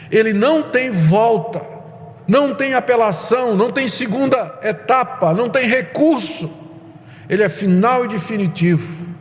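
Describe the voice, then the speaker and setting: A man delivers an urgent, emphatic sermon, hammering points home through repetition. His voice sits high for a man. It carries a long reverb, as in a church hall. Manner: emphatic, urgent, repeats for weight. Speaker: preacher.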